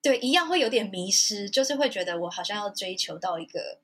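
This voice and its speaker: A woman hosting a Mandarin interview podcast, thinking aloud and giving frequent soft hums of agreement. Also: mid-range voice, animated, brisk, slightly rough. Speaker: podcast host. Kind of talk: interview conversation.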